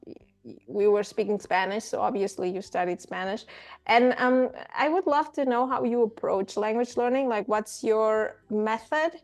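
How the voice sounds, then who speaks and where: A woman hosting an interview about language learning, friendly and animated, chatting casually with her guest. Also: fairly high pitch. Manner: friendly, animated, laughs easily. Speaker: host.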